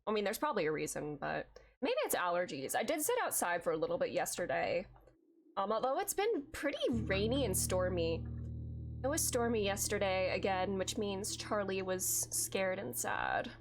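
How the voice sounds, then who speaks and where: A young woman streams a game and chats casually with viewers at medium pitch and normal speed, her voice congested. She's chatty, full of filler "likes," and breaks into excited outbursts when she finds things. A little hiss or hum is audible.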